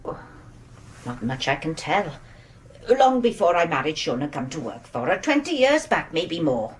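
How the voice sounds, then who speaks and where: A woman's voice: deep voice, sing-song, normal speed. A Welsh housekeeper in a radio play, deferential but evasive. Her delivery is hesitant, with widely moving intonation. The recording is roomy and quite noisy. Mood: guarded, reluctant. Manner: hesitant, reluctant. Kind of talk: radio drama acting.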